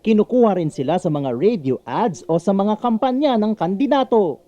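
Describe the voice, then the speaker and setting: Lively Filipino male news reporter, mellow. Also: high voice, moderate pace, muffled recording. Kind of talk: scripted news narration.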